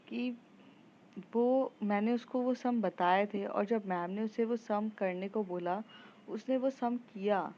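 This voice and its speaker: A woman's voice: mid-range voice, a little mellow, a little hiss or hum, natural voice. Woman reading as an earnest schoolgirl, reflective, storybook voice, slightly dull recording. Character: earnest teenage girl, class topper.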